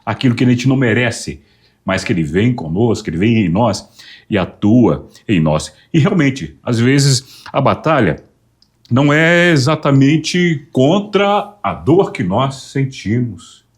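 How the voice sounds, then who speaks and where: A man hosting a church talk show, tying the guest's story to scripture with a measured, preaching cadence. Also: medium pitch, big pitch swings, husky. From Brazil. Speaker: host of a church program.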